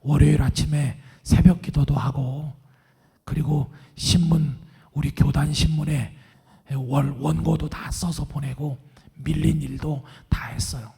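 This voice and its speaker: Hoarse middle-aged male pastor, raspy half-whisper, fairly high pitch, preaching calmly with long church reverb. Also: a little slow. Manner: calm, earnest, reassuring. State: hoarse, strained voice after vocal cord surgery. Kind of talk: sermon. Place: large church sanctuary.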